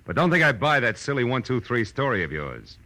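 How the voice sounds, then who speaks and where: A man's voice: medium pitch, sing-song, a little fast, pushed and bright. An American man playing a sardonic, tough private detective in a 1940s radio drama, with clipped, wisecracking delivery. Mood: sardonic, defiant. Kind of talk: 1940s radio detective acting and first-person narration.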